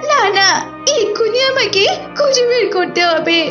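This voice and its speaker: A woman's voice: very high-pitched, animated, moderate pace. A woman voicing an anxious, protective mother duck in a children's cartoon. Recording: muffled, music behind.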